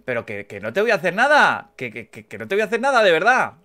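A man's voice: high-pitched, huge pitch swings, fast, full character voice. A man from voicing a pushy, shifty male demon in a Minecraft roleplay, insistent and repetitive. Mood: pleading. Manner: insistent, repeats himself, swings between pleading and shouting.

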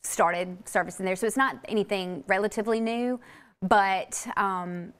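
A woman's voice: medium pitch, fairly even intonation, moderate pace, clean tone. A woman in her thirties, a marketing director guesting on a local TV show, bubbly and emphatic, on a lapel mic. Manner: bubbly, emphatic, laughs easily. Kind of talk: TV interview guest. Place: TV studio set, seated in armchair.

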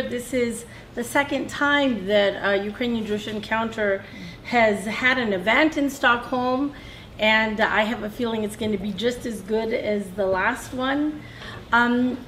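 A middle-aged woman welcomes an audience in a small lecture hall. Her mid-range voice is enthusiastic and unhurried, with faint room noise around her. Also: mid-range voice, a bit bright. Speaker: guest speaker introducing the lecturer. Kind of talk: formal welcome remarks.

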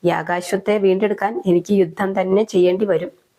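A woman voicing a grieving, reluctant young warrior prince in a storybook retelling, gentle and sorrowful. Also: mid-range voice, fairly even intonation, normal speed, lightly acted.

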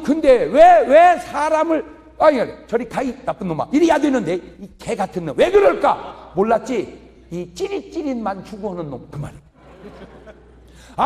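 A male pastor giving a humorous revival sermon in a large church hall, animated and chuckling through his lines. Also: very high-pitched.

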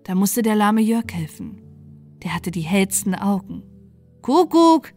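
A woman storyteller narrating a bedtime fairy tale in a gentle, slow, calm manner. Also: mid-range voice. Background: faint music.

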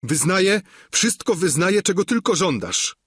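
A man's voice: on the high side, expressive, unhurried, fairly bright tone, no echo, clean studio sound, pitched above the performer's own voice. A man voicing a defeated knight who begs and submits in an audiobook. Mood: pleading. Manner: begging, submissive.

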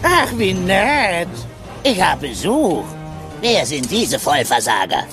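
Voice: medium pitch, big pitch swings, takes it slowly. A gloating female robot villain from a children's audio play. The voice swoops dramatically across its range and sneers theatrically. Music runs underneath. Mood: scornful.

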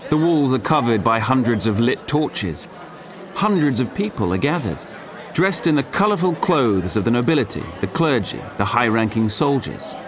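An actor playing a medieval companion who recounts events as a dramatic audio drama narrator. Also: male voice, medium pitch, sing-song, normal speed, a crowd in the background. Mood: solemn, vivid. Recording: music behind.

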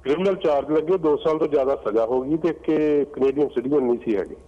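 A male caller talks rapidly over a dull, echoey phone line. He gets straight to the point in short bursts. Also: fairly high pitch.

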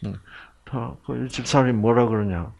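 A man's voice: medium pitch, moderate pace, creaky, a little mellow, highs cut off. A man with a Gyeongsang Korean accent giving a humorous lecture to an audience as a health program lecturer, telling jokes like a storyteller and asking the audience questions.

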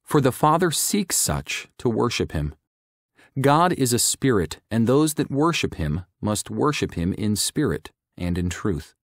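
A man narrating a religious audiobook in a measured, clearly enunciated scripted reading. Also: mid-range voice, sing-song, no room sound, studio quality.

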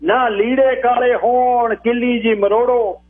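A man voicing a boastful middle-aged male train passenger who talks in a high, drawn-out voice. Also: steady tone. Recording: tinny phone-like radio broadcast.

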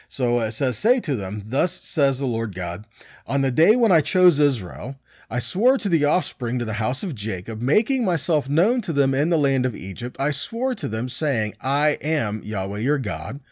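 Animated middle-aged man teaching scripture. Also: medium pitch, normal speed, no room sound, studio quality. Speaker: Bible teacher. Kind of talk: conversational scripture teaching, reading verses and explaining.

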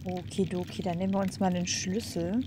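A woman gives casual commentary as she plays a game, thinking aloud in slangy, informal talk. Her voice is on the low side, with clear game ambience behind it. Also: level tone, brisk, dark tone, slight background noise. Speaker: let's play host.

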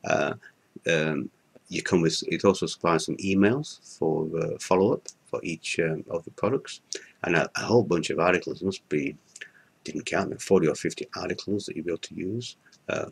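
An older man with a Yorkshire accent talks straight to a webcam in a room, his voice very low and a little husky. He speaks in halting, unscripted bursts, filling gaps with ums and uhs and restarting his sentences. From Yorkshire, England. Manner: hesitant, many fillers and restarts. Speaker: product reviewer. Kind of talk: unscripted testimonial to camera. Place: indoor room in front of a curtain.

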